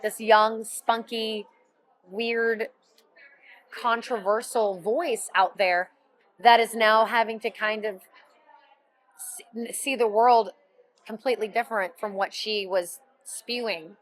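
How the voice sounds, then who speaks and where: A woman's voice: on the high side, fairly bright tone. A woman voice actress as an interview guest, chatting enthusiastically and rambling with frequent restarts. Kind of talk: interview chat.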